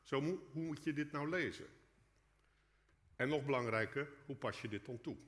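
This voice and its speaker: A man preaches a reflective sermon, turning to the congregation as he goes. His voice is bright and forward, and a long cathedral-like echo rolls behind every phrase in the church. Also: mid-range voice, moderate pace. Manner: reflective, addresses the congregation directly. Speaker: lay preacher. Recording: long echoing church reverb.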